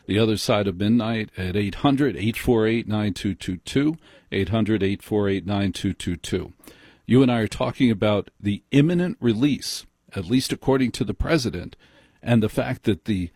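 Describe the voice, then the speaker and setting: This American call-in radio host has a fairly low, slightly mellow voice at normal speed, chatting casually and explaining things politely. The studio-quality sound from a close broadcast mic carries no room ambience.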